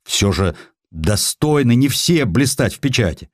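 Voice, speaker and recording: A man's voice: medium pitch, very animated, a little slow, no room sound, studio quality, pitched above the performer's own voice. A man voicing a harried editor, pleading and exasperated, in a historical audiobook. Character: harried male editor pleading with vain crowds.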